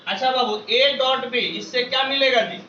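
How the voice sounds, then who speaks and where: A man's voice: very high voice, steady tone, normal speed, bright, forceful tone, a little hiss or hum. A man teaching maths to a class, drilling students with call-and-response questions. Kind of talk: classroom lecture. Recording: echoey classroom, distant lo-fi mic.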